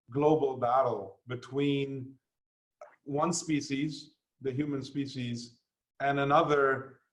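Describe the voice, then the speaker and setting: Man giving a formal speech; measured, explains carefully, mid-range voice. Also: medium pitch, rough recording. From Canada and the United States. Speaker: guest speaker. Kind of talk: formal address.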